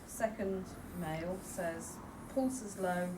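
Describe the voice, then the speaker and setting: Low-voiced woman, far from the mic. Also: slow. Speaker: writing workshop participant reading out a script. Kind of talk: informal read-through of a draft radio drama. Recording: distant mic in a noisy room.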